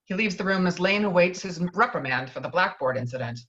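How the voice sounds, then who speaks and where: A woman's voice: lowish voice, expressive, a little fast, fairly bright tone. A woman narrating stage directions from a screenplay in a table read. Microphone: virtual table read over video call. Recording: dull lo-fi video call audio.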